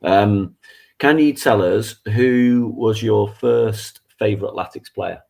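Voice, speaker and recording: A man with a rough baritone, hoarse from flu, co-hosting a casual football podcast. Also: takes it slowly, dark tone. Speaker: podcast co-host.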